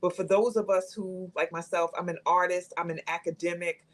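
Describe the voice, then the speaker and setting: A woman's voice: fairly low pitch, steady tone, a little fast. Reflective woman in her fifties. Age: 50s. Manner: reflective, candid, speaks in long thoughtful runs. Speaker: guest. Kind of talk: candid conversation on a live show.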